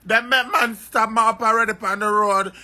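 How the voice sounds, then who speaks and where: High, sharp-voiced man ranting. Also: steady tone, moderate pace. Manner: rambling, repeats phrases over and over. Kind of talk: emotional vlog rant.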